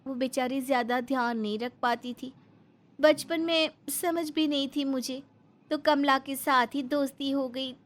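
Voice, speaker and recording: A woman's voice: high voice, steady tone, a little slow. A woman voicing a timid young maid turned bride in a cartoon, hesitant and stammering. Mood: pleading. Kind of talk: Hindi cartoon voice acting.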